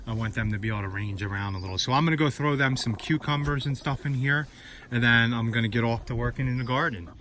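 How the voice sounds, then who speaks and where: Male garden vlogger, mid-pitched, folksy and informal, clearly noisy outdoor sound. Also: fast talker, fairly bright tone. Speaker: vlogger showing his vegetable garden. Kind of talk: casual outdoor vlog chat. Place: outdoors in a breezy backyard garden. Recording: noisy outdoor recording, breezy ambience.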